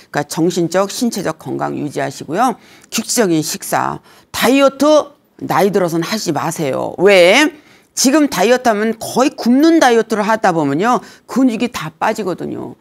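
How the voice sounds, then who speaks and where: A middle-aged woman giving a lecture on aging well, joking and telling lively stories. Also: fairly low pitch, a little fast, creaky. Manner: humorous, lively storytelling with acted quotes. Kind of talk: senior lifestyle lecture.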